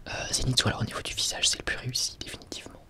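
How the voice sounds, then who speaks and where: Whispering right up against the microphone, a man hosting ASMR videos offers a dryly sarcastic product review, his voice breathy, unvoiced, and stop-start.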